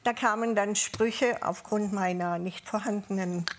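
A woman with a southern German accent, a former police officer, recalling her years on duty in a measured way with frequent hesitations. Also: mid-range voice, steady tone. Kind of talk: panel talk, personal recollection.

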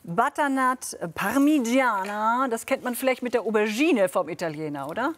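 Higher-voiced woman hosting a cooking show. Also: animated, moderate pace, a little hiss or hum. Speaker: TV host.

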